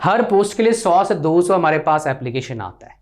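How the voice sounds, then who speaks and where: A man's voice: a little high, expressive, a little fast. A young Indian man, a career counsellor, speaking earnestly and directly to viewers in a lecturing advice talk.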